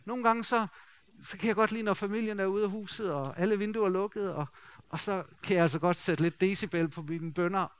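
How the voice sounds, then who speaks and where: Casting note: middle-aged man, pastor, high voice, warm conversational preaching with humor. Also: smooth. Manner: lively, conversational preaching with jokes and rhetorical questions. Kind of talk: sermon.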